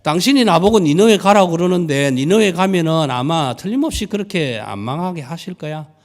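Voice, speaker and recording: A preacher putting on a whiny sulking prophet. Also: male voice, expressive, brisk. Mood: whiny complaint. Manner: whiny, complaining, raised pitch. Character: sulking grown male prophet, petulant and self-pitying.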